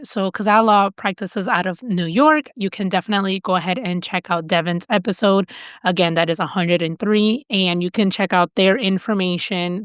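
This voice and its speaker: A woman's voice: medium pitch, smooth, no room sound, clean studio sound. A woman hosting a podcast, reading a sponsor announcement and introducing her guest in an upbeat, effusive way. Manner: upbeat and effusive, repeats thanks. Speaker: podcast host.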